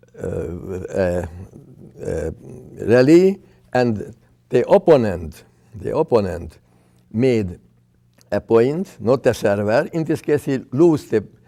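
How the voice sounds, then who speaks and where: With a Hungarian accent, a man speaks at a very slow pace and a medium pitch, with long, frequent pauses. His tone is dark and mellow, and his pitch swings very widely. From Hungary. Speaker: volleyball official. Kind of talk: interview. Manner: halting.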